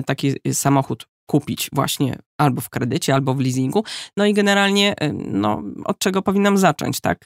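A woman's voice: low voice, no room sound, studio quality. A woman moderating a discussion who asks practical questions with some hesitation. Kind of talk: conversational discussion.

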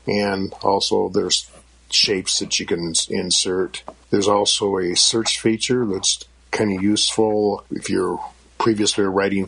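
A man's voice: sits low, vocal fry, a bit bright, breathy edge, low-quality recording. A man calling in to recommend an app, talking in a plain, matter-of-fact way. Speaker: caller. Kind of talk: recorded call-in recommendation.

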